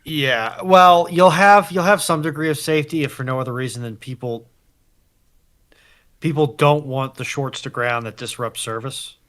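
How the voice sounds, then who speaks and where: A man on a discussion panel giving casual technical explanations in a deliberate, emphatic way. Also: on the high side, fairly bright tone.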